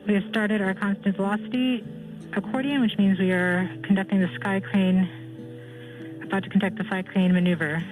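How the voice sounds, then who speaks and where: Woman giving measured mission commentary over music. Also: medium pitch, fairly even intonation, rough recording. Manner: measured, precise status reporting. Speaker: mission control landing commentator. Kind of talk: live technical commentary.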